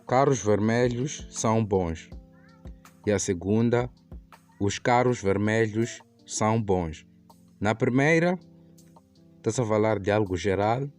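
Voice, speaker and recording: A man teaches English grammar in a lower voice. He talks patiently and slows right down on each example. Faint music plays under him throughout. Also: a little mellow. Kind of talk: online language lesson.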